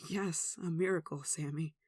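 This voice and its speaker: Someone acting a gentle devoted human in asmr drama, earnest soft emotional voice, middle pitch, really dry sound. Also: steady tone, moderate pace, slightly rough, dry recording, lightly acted. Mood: tender, admiring. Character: devout, tender human devoted to a gentle demon. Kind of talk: ASMR roleplay, one-sided dramatic dialogue.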